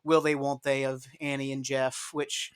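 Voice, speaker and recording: A man's voice: medium pitch, little pitch movement, moderate pace, clean tone. A man hosting a podcast, chatting casually and rambling with fillers and frequent laughs. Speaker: podcast host. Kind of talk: casual chat.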